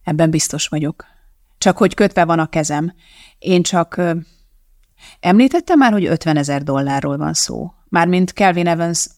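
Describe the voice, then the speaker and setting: A man's voice: fairly high pitch, darkish tone, no echo, studio quality, lightly acted. A reader voicing an eager, earnest male reverend who speaks hesitantly.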